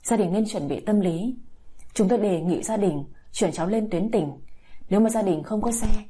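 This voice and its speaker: A matter-of-fact doctor in an audio story, measured and grave, as a woman narrator plays him. The voice is husky and dark. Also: medium pitch, natural voice.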